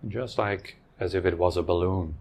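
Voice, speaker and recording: A man leading a guided meditation as a teacher, speaking gently in short phrases with long pauses. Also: low-pitched, steady tone.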